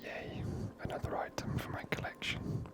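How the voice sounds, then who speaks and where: Soft whisper throughout, ASMR gameplay commentary, gentle, low-key, musing aloud. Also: normal speed. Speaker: video game player and narrator.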